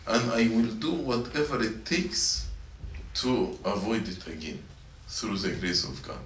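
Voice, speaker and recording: A church youth teacher with a fairly low, slightly slow voice teaches a sermon to middle schoolers, repeating his points and questioning the students. The church meeting room is echoey, the mic is distant, and there's faint noise.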